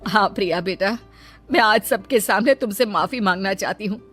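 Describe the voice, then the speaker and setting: A woman's voice: medium pitch, moderate pace, soft background music, close to an everyday voice. A woman voicing a stern, scolding middle-aged mother-in-law in a cartoon story. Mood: apologetic. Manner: sharp, bossy, complaining.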